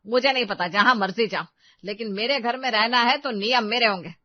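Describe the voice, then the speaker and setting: A strict middle-aged mother-in-law, played by a woman in a cartoon story. She scolds and lays down rules in a fairly high voice. The recording is dry and slightly dull. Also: a little fast, no echo, close to an everyday voice. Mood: scolding. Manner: scolding, commanding. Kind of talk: Hindi cartoon story voice acting.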